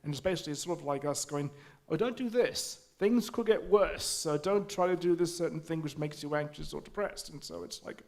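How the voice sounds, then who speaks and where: Halting man speaking up at a forum. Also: a little high, a little mellow. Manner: halting, many restarts and fillers. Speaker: forum audience member. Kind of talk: spontaneous public remarks. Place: community hall.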